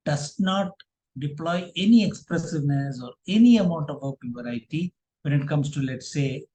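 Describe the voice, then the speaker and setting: A man's voice: a little high, a little mellow. A man with an Indian accent speaking as a public speaking trainer in an online workshop, explaining and instructing with emphatic stresses. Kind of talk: online workshop talk with question and answer. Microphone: online video call. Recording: roomy, echoey online call sound.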